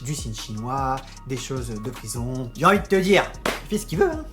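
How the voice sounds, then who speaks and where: Casting: male vlog host, mid-pitched, chatty and direct with viewers, joking asides, soft music underneath. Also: very animated, moderate pace. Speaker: tattoo YouTuber. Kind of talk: casual explainer vlog.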